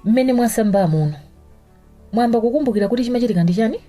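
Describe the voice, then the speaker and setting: A woman's voice: fairly high pitch, very fast, dark tone, faint music behind, lightly acted. A woman with a Malawian accent playing a concerned, insistent friend who asks probing questions in a radio drama. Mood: suspicious, probing. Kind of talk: vernacular radio drama acting.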